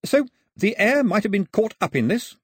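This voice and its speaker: An imperious gentleman in a seafaring storybook, played by a male narrator. He is formal, clipped and impatient, used to giving orders. His voice sits high and swings widely, with a husky edge. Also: big pitch swings, normal speed, no echo, clean studio sound, full character voice. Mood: tense, grave.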